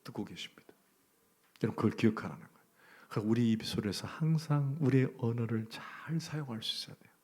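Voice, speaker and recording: Korean pastor preaching, whispers to shouts. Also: male voice, medium pitch, fast, breathy edge. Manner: swings from hushed whispers to loud shouted emphasis; acts out grumbling voices of churchgoers. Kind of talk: sermon.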